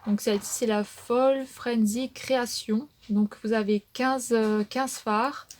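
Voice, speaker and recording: A woman's voice: fairly high pitch, fairly even intonation, takes it slowly, a little mellow. A woman beauty vlogger casually showing her makeup palettes, chatty and hesitant, with frequent fillers and trailing tags.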